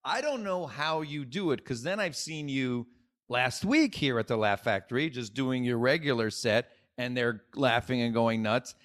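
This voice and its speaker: Animated comedian guest. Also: male voice, medium pitch, moderate pace. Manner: animated, acts out quotes. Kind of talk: casual interview chat.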